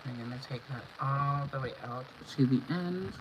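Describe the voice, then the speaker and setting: A woman with a cold-roughened, hoarse voice talks viewers step by step through applying eye makeup. She chats casually as she works, drifting nearer and farther from the device mic. The stream audio sounds dull and lo-fi, with clear noise underneath. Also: extremely low pitch, moderate pace. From Antigua and Barbuda. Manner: chatty, instructional, greets viewers by name. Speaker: makeup artist livestreamer. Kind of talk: livestream makeup tutorial.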